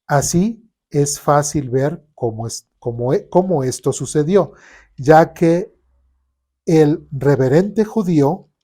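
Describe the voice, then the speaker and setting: A man's voice: fairly high pitch, lively intonation, slow, dark tone. Man teaching a casual Sunday school class. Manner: conversational, checks in with the class often. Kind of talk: informal Bible class lecture. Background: class recorded in a church room.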